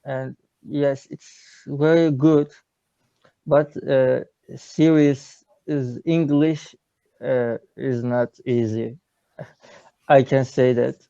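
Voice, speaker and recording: A man's voice: medium pitch, steady tone, drawn-out words, gravelly, dark tone, smooth, dry recording, highs cut off. A man with a Turkish accent, a learner of English, talking on a video call and often stopping to search for words. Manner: hesitant, searching for words, many uhs. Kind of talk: casual video-call lesson chat.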